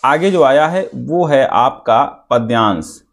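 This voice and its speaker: A man teaching an exam-prep lesson, explaining step by step and reciting verse slowly. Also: mid-range voice, lively intonation.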